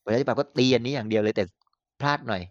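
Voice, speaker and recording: Laughing, animated male podcast host. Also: medium pitch, racing, dry recording, muffled recording. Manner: animated, laughing, blunt slang. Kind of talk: casual political chat.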